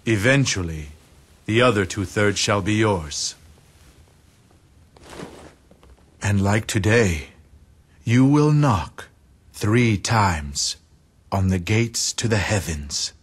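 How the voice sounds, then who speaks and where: A wise strategist, soft-spoken, husky, slow measured. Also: male voice, lowish voice, lively intonation, heavily acted. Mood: prophetic. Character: calm, wise male strategist. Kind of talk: video game cutscene dub.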